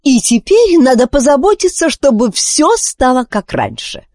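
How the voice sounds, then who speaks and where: A woman's voice: sits high, very animated, normal speed, no room sound, studio quality, voice pushed up. Woman voicing an icy, haughty angry queen. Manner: sharp, cold, indignant.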